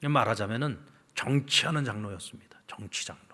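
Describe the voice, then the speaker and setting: A male pastor preaches in a church, his voice at a middle pitch. He tells a story, dropping to hushed whispers and rising to loud, emphatic lines. A long reverb trails each phrase. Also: brisk. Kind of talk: sermon. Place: church sanctuary.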